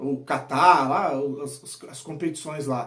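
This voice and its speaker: A man talks fairly slowly, with audible room echo and noticeable background noise around him. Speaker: football YouTuber. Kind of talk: casual football commentary.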